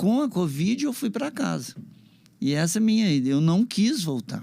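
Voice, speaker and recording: Pitched high, a man's voice has a dark, mellow tone and very wide pitch swings. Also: moderate pace. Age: 70s. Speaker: retired doctor and biology teacher. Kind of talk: podcast interview.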